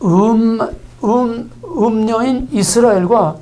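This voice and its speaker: A man's voice: very high voice, slow pace, mellow. A man preaching a sermon emphatically, piling up repeated phrases and putting questions to his listeners.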